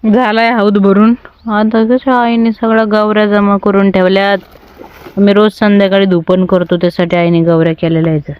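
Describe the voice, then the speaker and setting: A homely village woman talks her viewers through her day outdoors. Her voice sits at an ordinary middle pitch and comes through a slightly muffled phone recording. Farm animals can be heard behind her. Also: flat delivery, normal speed, clear, resonant tone, dry recording. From Ahilyanagar district, Maharashtra, India. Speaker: village family vlogger. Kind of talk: casual vlog narration.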